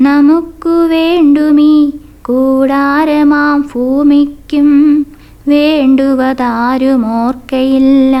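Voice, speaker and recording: A woman recites poems in a melodic chant. Her voice is high and keeps within a narrow range, and the delivery is extremely slow and drawn out. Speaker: poet reciting own work. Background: music.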